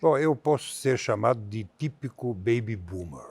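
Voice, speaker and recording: Older bulgarian guy on a talk show stage, slow and halting, lots of uhs, gravelly, dry sound. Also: mid-range voice, expressive, no room sound. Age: 70s. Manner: measured, halting with many fillers. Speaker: guest. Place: theater stage.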